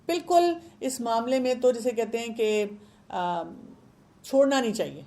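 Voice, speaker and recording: A woman's voice: on the high side, very animated, dark tone. Pakistani woman giving parenting advice. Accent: Pakistani Urdu. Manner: mixes English words into Urdu; explains with questions and everyday examples. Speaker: parenting expert. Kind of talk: parenting talk.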